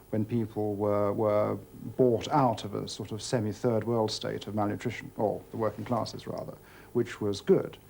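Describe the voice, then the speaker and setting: A man's fairly low-pitched voice with a dark, mellow tone, on a very clean recording with a silent background. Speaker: food writer. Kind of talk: interview answer. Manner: hesitant, many fillers.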